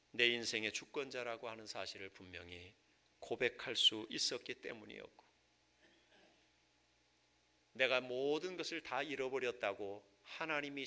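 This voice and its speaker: Man, pastor, Sunday sermon, sharp bright voice, hushed to impassioned. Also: mid-range voice. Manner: swells to loud impassioned preaching, then drops to soft near-whispers. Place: church sanctuary.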